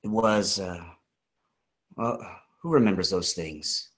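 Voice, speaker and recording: A wry, teasing forty-year-old charmer. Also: male voice, low voice, slow pace, a bit bright. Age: 40s. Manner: wry, teasing, lightly joking. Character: charming playful 40-year-old man, hotel owner. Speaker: interviewee.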